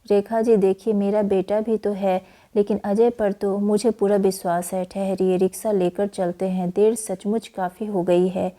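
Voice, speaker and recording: A woman reading the part of a calm, reassuring mother in a school play. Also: medium pitch, moderate pace, close to an everyday voice. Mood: concerned. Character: calm caring mother, middle-aged woman.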